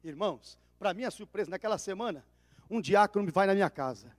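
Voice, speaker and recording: A man with a Brazilian Portuguese accent preaching a sermon as pastor, telling a story with dramatic swings between loud cries and hushed asides. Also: high voice, lively intonation, fairly quick, clean studio sound. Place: church. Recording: reverberant church hall.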